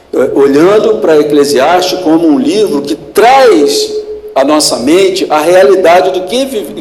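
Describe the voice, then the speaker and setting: A man from Brazil, a pastor, preaching a sermon slowly and deliberately, repeating phrases and asking rhetorical questions. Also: a little high, darkish tone. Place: church hall. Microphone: handheld or stand mic with feedback.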